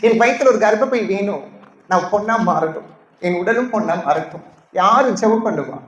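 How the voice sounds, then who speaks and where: A woman's voice: medium pitch, lively intonation, brisk, dull audio, slight background noise. A trans woman preacher giving an emotional testimony to a congregation, pleading and asking the audience questions. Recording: echoey hall.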